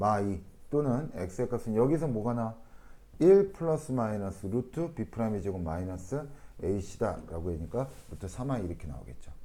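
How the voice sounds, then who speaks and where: A man's fairly low-pitched, dark, mellow voice at a moderate pace, with very wide pitch swings and audible room echo. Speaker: math teacher. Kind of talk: lecture.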